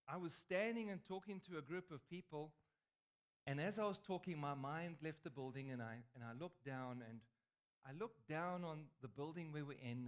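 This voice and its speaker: A man in his forties with a South African accent, preaching on a church stage and telling a story in a lively, joking way. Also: fairly high pitch, clean tone. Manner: lively, chatty, joking asides. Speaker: guest preacher. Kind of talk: storytelling sermon. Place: large stage in a church hall.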